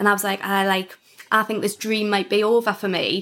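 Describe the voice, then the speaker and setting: Talking at a very fast pace, a woman speaks with a Geordie accent. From Newcastle, northern England. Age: 20s. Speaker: comedian. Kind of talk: casual chat.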